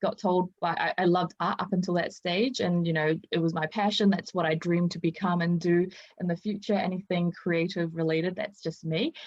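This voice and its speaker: With a strong New Zealand accent, a woman talks at a moderate pace in a medium pitch, her intonation fairly even. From New Zealand (from age 9, born in Burma). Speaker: mindset coach. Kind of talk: podcast interview.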